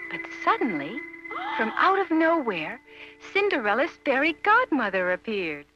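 A woman narrating a children's fairy tale from a script in an expressive, measured storybook manner. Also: high-pitched. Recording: dull lo-fi audio, music behind.

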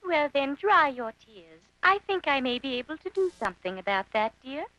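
A woman's voice: high-pitched, sing-song, moderate pace, sharp tone, dry recording, heavily acted. A woman voicing a kindly, motherly fairy godmother in a children's storybook drama, sweet, fussing and reassuring. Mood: gently consoling. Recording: dull lo-fi audio under music.

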